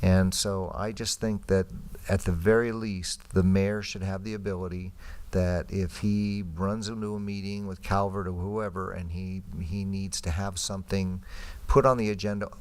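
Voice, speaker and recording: Deep-voiced, plain-spoken man making his case. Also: flat delivery, moderate pace. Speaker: council member and former mayor. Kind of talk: informal argument in council discussion.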